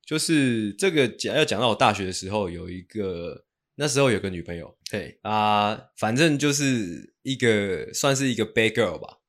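一位带台湾口音的年轻男播客主持人，说话粗口多，爱调侃，讲到激动处会拔高嗓门。. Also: male voice, on the low side, animated, moderate pace, a bit bright. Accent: Taiwanese Mandarin. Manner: crude, teasing, gets heated. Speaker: podcast co-host. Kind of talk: casual banter.

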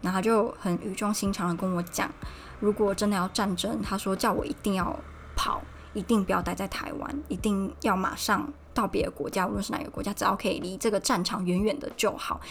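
A woman's voice: mid-range voice, brisk, a little hiss or hum. Chatty young Taiwanese woman podcaster. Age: young adult. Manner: chatty, recounts dialogue with animated quoted voices. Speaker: podcast host. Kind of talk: casual solo podcast storytelling. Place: Poland.

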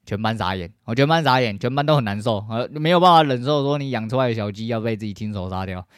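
A man rattling off a laid-back, swear-heavy solo podcast monologue at a brisk clip. His voice sits at an ordinary middle pitch, recorded close and dry with no room sound. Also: animated, no echo. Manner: rambling, profane, laid-back. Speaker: podcast host. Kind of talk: casual monologue.

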